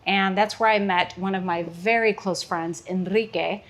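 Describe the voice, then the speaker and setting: A woman's voice: mid-range voice, steady tone, moderate pace. Joking Chicago woman comedian. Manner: joking, playful banter. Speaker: comedian host. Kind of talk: casual chat.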